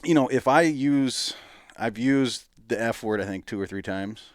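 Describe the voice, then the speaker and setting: A man in his late thirties hosting a casual podcast, chatty and quick to laugh. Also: mid-range voice, dry recording. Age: 30s. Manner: chatty storyteller, laughs easily. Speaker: podcast host.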